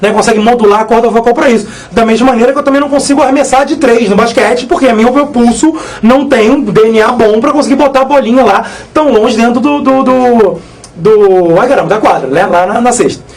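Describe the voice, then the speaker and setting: Fast-talking physics teacher. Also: male voice, very high-pitched, rough recording. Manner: energetic, repetitive, joking. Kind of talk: live exam-prep lesson.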